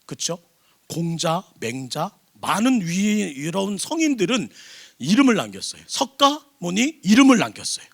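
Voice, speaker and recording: A senior pastor preaching a sermon in a church service, throwing call-and-response questions at the congregation. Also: male voice, sits high, sing-song, moderate pace, vocal fry.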